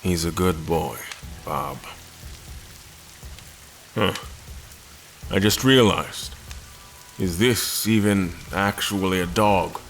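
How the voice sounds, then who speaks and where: A low male voice plays a world-weary admiral in an audio drama. He recounts a haunting ordeal with formal, measured courtesy over faint music. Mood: tired, wry. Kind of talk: first-person audio drama narration with dialogue.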